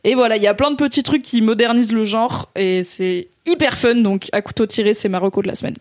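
A woman's voice: a little high, fast, darkish tone. A woman enthusiastically recommending a film in casual, slangy chat, teasing her co-hosts. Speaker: film reviewer, co-host.

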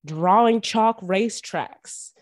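A young woman podcast host telling stories from her childhood in a casual, animated way, full of slang and fillers. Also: medium pitch, slow. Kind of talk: casual chat.

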